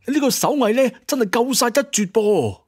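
A man voicing a gluttonous, fawning big black dog in a Cantonese audio drama, with drawn-out phrases. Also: very high-pitched, expressive, husky, full character voice. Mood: fawning, satisfied. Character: gluttonous, satisfied big-mouthed black dog, eldest of four.

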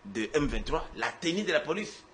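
A man speaking as a guest on a political TV debate, deliberate and searching for names with frequent hesitations. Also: a little high, very animated, fairly bright tone, a little hiss or hum. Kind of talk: studio debate talk. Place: TV studio.

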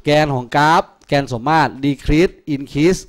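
A man's voice: fairly high pitch, takes it slowly. A man teaching math in a classroom, teasing his students with crude jokes. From Thailand. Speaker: math tutor. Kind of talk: classroom lecture.

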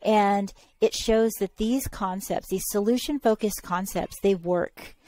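A woman's voice: medium pitch, a little slow, darkish tone. Enthusiastic woman host on a headset mic. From California. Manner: enthusiastic, encouraging. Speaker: podcast host. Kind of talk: casual video-call interview. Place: room at home.

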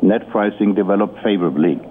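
Low-voiced man on a tinny phone line. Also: brisk. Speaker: company executive. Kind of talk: prepared earnings-call presentation. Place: conference call line. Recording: muffled phone-line audio with noise.

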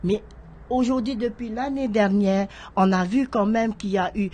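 Middle-aged lady on a studio mic, stumbles and repeats words, mid pitch. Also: fairly even intonation, normal speed, a little mellow, slight background noise. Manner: hesitant, repeats words while searching for them. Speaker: guest, horticulture association president. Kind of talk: radio studio interview. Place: radio studio. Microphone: studio microphone on a stand.

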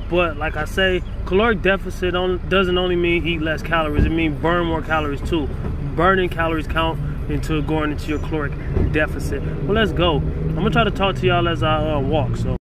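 A man's voice: on the high side, a little hiss or hum. A man in his late thirties talking casually to viewers as a fitness vlogger, blunt, emphatic and colloquial, often repeating himself to make a point. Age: late 30s. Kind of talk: casual motivational talk to viewers.

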